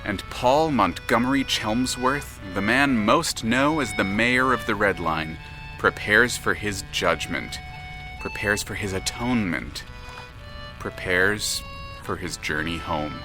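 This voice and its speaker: A man narrating an audio drama in a measured, dramatic, literary storytelling manner. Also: on the low side, over music.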